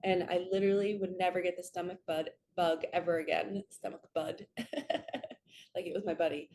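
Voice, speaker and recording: Woman doing a chatty spiritual reading vlog, bit raspy and stuffy from allergies, earnest, rambly. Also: fairly low pitch, little pitch movement, moderate pace, noisy background. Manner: chatty, earnest, drifts into stories. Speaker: host, spiritual card reader.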